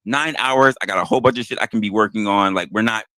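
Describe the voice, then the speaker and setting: A man rattles off a defiant, profane stream monologue. He talks fast, and his voice sounds bright and dry on the mic. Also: lowish voice, dry recording. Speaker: streamer in played clip.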